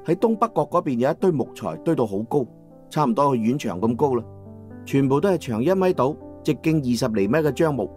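Man, Cantonese accent, audiobook narrator, first-person story, medium pitch, faint background music. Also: brisk. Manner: steady descriptive storytelling.

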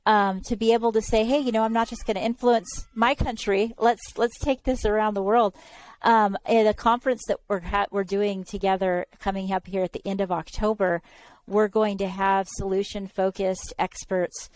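An enthusiastic woman in her forties hosts a video-call interview, warmly encouraging her guest. Her voice sits at a middle pitch, close to a headset mic in a room at home. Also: fairly even intonation, normal speed, low-quality recording. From California. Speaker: podcast host.

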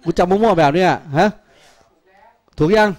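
A man's voice: sits high, fairly even intonation, moderate pace, a little mellow. A man teaching math in a classroom, teasing his students with crude jokes. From Thailand. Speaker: math tutor. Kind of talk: classroom lecture.

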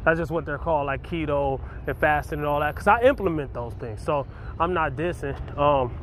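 A man in his late thirties with a slightly high voice, talking like a fitness vlogger. He is blunt and colloquial, stressing points by saying them again. There is some background noise behind him. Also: brisk, a bit bright. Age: late 30s. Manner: blunt, emphatic, colloquial, repeats himself for emphasis. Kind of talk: casual motivational talk to viewers.

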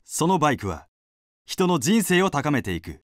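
A male voice actor playing a cool, confident motorbike advert narrator with a measured, dramatic delivery. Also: on the high side, very animated, dry recording, studio quality. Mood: cool, assured. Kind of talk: scripted commercial narration.

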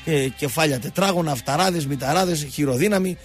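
A man's voice: fairly high pitch, soft background music. A man hosting a radio sports show, mocking and digressive as he rambles about football. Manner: animated, mocking, digressive storyteller. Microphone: radio studio microphone.

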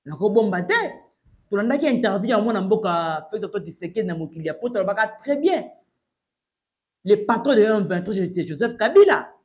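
A man's voice: high-pitched, expressive, a little fast, a little mellow. A young man with a Congolese accent giving emphatic, urgent news commentary from a small indoor room, mixing French and Lingala. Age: young adult. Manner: emphatic, urgent, gesturing while addressing the camera.

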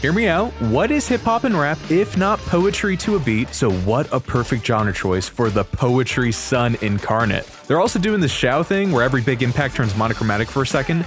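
A man delivers excited, hyperbolic commentary on game trailers. His delivery is casual and sweary, with very lively swings in pitch, over background music. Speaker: video host reacting to game trailers.

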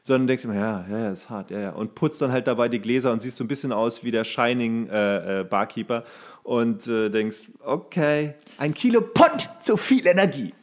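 A man with a medium-pitched voice chats as a podcast co-host among friends. He tells anecdotes in loose, slangy language. He slips into little quoted lines as he goes. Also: lively intonation, normal speed. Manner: colloquial, slangy, acting out quotes while storytelling. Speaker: podcast co-host, former bartender. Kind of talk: casual anecdote chat between friends.

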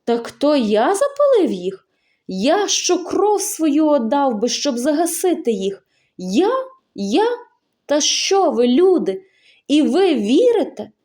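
A woman voicing a desperate young male student who pleads loudly and insistently, in an audiobook reading. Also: sits high, very animated, takes it slowly, voice pushed up, exaggerated voice.

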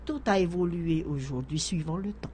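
A woman's voice: low voice, normal speed, a little mellow, slight background noise. A middle-aged woman, a guest speaking in a radio studio interview who often restarts and repeats words. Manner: hesitant, repeats words while searching for them. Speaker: guest, horticulture association president. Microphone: studio microphone on a stand.

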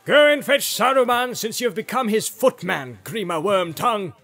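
A man's voice: mid-range voice, big pitch swings, quick pace, breathy edge. A man voicing an old, stern and fearless wizard with a commanding manner in a fantasy storybook. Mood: scornful, commanding. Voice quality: loud, commanding when calling out. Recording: music behind the voice.

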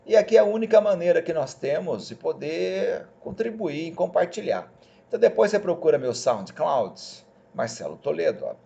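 A man talks to his viewers in a loose, animated way, selling the idea with a chatty push. His voice is mellow and dark. The recording is dull and lo-fi. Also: a little high, moderate pace, vocal fry. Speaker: job placement agency host. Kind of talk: casual screen-recorded talk to viewers.

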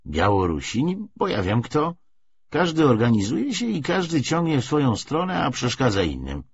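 A man voicing a guarded, worldly-wise young army recruiter confiding halting instructions in an audiobook. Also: mid-range voice, highs cut off, a little hiss or hum, voice pushed up, heavily acted. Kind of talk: acted audiobook dialogue.

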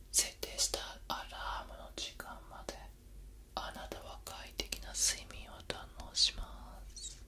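A young man in a whispered role-play as a soothing hypnotist, speaking in a breathy whisper right in the listener's ear with repetitive, lulling suggestions. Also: pushed and bright. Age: young adult. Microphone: close binaural ASMR microphone.

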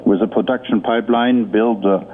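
Male executive for an earnings call: lowish voice, formal, hesitant delivery, heard over a thin telephone connection. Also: fairly even intonation, moderate pace. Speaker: company executive. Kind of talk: prepared earnings-call presentation. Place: conference call line. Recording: muffled phone-line audio with noise.

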